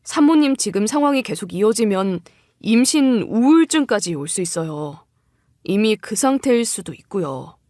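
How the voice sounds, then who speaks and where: A caring, reassuring doctor in a narrated drama, played by a woman. The delivery is gentle and encouraging, with expressive intonation in a dry recording. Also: medium pitch, moderate pace, no echo, lightly acted. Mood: concerned. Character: caring, reassuring doctor speaking to an expectant mother.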